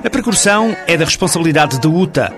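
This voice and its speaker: A man's voice: a little high, expressive, fast talker. A man reading a scripted magazine-programme narration as presenter. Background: music.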